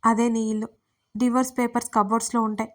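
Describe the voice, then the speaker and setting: A woman's voice: a little high, level tone, fast, lightly acted. A woman voicing a cold, aloof young husband in an audio story, talking curtly and dismissively. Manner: curt, detached.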